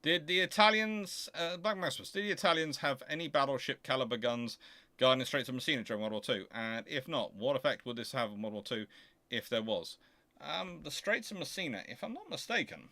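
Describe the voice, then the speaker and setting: Bright-voiced man fielding history questions. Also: medium pitch, expressive, dry recording. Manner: halting, self-correcting, explanatory. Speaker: host of a naval history Q&A show. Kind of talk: informal question-and-answer commentary, reading questions aloud.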